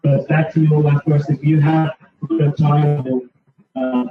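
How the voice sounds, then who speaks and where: Male panel moderator, fairly high voice, halting and repetitive, recorded far from the mic in an echoey room. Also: little pitch movement, soft background music. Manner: hesitant, halting, repeats words. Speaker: panel moderator reporting a discussion. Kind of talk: summing up a conference session. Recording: distant, echoey, muffled conference feed.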